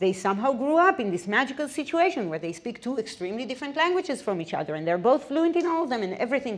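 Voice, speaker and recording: Speaking very fast with an Israeli accent, a woman swings her pitch very widely. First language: Hebrew. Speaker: biotech research executive and scientist. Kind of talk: interview.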